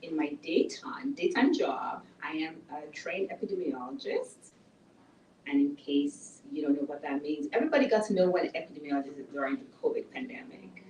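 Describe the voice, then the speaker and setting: Brief: middle-aged woman, low voice, author talk, conversational, recorded from afar in an echoey room. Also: expressive, a little fast, a little mellow, distant mic, highs cut off, a little hiss or hum. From Nigeria. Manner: conversational, explains plainly. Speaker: author and speaker. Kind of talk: book talk to a small audience.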